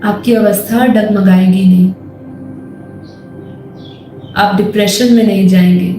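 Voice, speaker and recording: An Indian woman leading a guided meditation with spiritual teaching, calm, measured and instructive in manner. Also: mid-range voice. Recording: very echoey voice over faint music. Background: soft music.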